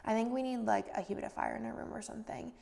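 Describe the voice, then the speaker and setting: A young woman rambles through a casual vlog voice-over, full of fillers. Her voice is heavily fried and gravelly, and her pitch stays flat. She sounds a little stuffy and congested. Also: rapid-fire. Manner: chatty and rambling, many fillers. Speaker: planner vlogger.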